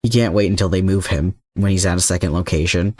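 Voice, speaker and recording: A man's voice: low voice, steady tone, fast, warm tone, dry recording, clean studio sound. A man reading scripted fan fiction aloud as the narrator of an audio story. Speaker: podfic narrator.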